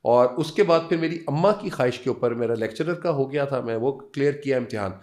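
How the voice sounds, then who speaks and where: A man's voice: mid-range voice, a little mellow. A man from Pakistan in his fifties, a university lecturer telling personal stories as a podcast guest, mixing in English phrases. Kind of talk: anecdotal storytelling.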